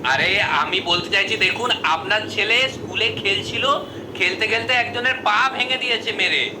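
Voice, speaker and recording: A man's voice: sits high, normal speed, natural voice. A man voicing an exasperated school principal who stammers and repeats himself as he pleads. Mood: pleading. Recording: echoey room with traffic noise.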